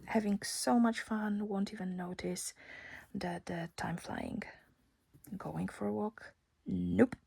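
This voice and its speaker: A woman's voice: medium pitch, steady tone, takes it slowly, gravelly, mellow, slightly rough, no room sound. A young woman whispering a casual personal story close to the mic, chatty and giggly.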